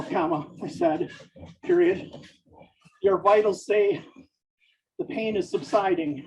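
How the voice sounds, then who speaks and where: A writer reads a story out slowly, phrase by phrase, saying each comma and period aloud. The voice sits at a middling pitch and comes from some way off the microphone. The sound is dull and muffled. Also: darkish tone. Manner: slow, deliberate, pausing between phrases. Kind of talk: dictating fiction aloud with spoken punctuation. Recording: dull, distant mic.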